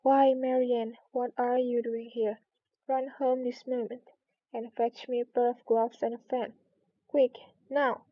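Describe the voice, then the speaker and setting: A woman's voice: on the high side, flat delivery, measured pace, no echo, highs cut off. A woman voicing an anxious, bossy white rabbit from a storybook, fretting and snapping out orders. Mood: angry, bossy. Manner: muttering, fretful exclamations and snapped orders.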